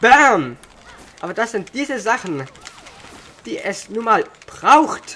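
Very slow speech with long, frequent pauses amid noticeable background noise. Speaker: gaming YouTuber. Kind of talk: let's play commentary. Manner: animated.

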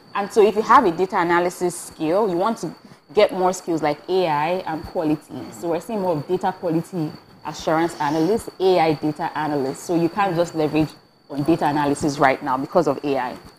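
The speaker sounds confident, talking fairly quickly with ordinary pitch variation. Light background noise sits behind the voice. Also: woman, fairly low pitch for a woman. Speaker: career coach. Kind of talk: TV interview; interview answer. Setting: TV studio. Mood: encouraging, confident. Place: studio. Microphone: lapel.

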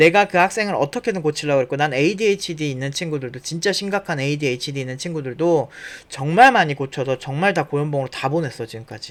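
A man with an unremarkable speaking voice. His pitch sits fairly high. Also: ordinary pitch variation. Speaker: coding bootcamp instructor. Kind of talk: casual monologue. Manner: informal, rambling speech with fillers.

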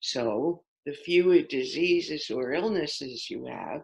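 Against a quiet background, a woman talks with vocal fry. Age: 80s+. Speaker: podcast guest. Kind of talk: podcast interview answer. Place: home room. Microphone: video call.

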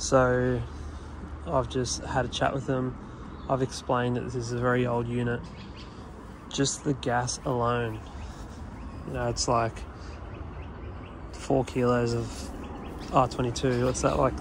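A man speaks at a fairly slow pace with fairly even intonation and long, frequent pauses, in a dry sound with no echo and noticeable background noise. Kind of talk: tutorial commentary. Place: garden. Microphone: phone near.

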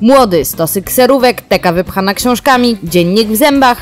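Lively intonation at a moderate pace, with music in the background. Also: woman. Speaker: voice-over narrator. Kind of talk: joke reading for a video compilation.

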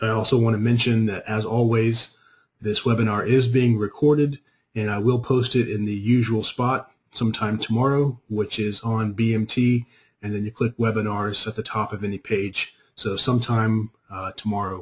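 Somewhat breathy and monotone, a man speaks at a moderate pace in a medium-pitched voice with flat intonation. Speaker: webinar host. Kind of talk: webinar introduction. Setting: online webinar. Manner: stuttering a little.

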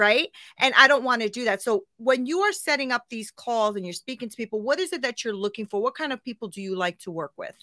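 With an energetic, bright, sharp tone, a woman speaks at a very fast pace, high pitch and lively intonation over a quiet background. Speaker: podcast host. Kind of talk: casual interview. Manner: animated. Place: home room.

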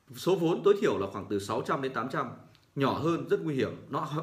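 Fairly slow speech with very wide pitch swings, audible room echo and a quiet background. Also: man. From Vietnam. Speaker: online trading educator. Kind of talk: livestream tutorial. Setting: livestream. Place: home room. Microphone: webcam.

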